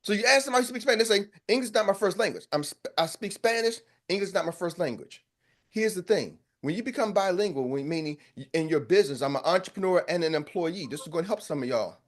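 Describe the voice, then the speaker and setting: American sales coach hyping up his call, high-pitched voice, preachy and repetitive, real fired up. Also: animated, fast. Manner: fiery, preacher-like, repeats lines for emphasis. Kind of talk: motivational pep talk.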